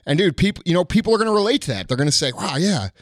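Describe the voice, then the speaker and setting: Guy with a highish voice, blunt, swears a lot, pep talk advice on a podcast, dry sound. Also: lively intonation, racing, dry recording. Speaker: podcast host, business mentor. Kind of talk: casual motivational advice.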